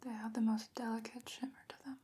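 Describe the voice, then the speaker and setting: A woman playing a gentle, solemn sorceress in a whispered fantasy ASMR roleplay, breathy, hushed and measured. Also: fairly high pitch, level tone. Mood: quietly caring. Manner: slow, measured, hushed delivery. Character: gentle, solemn sorceress sending a pirate friend off.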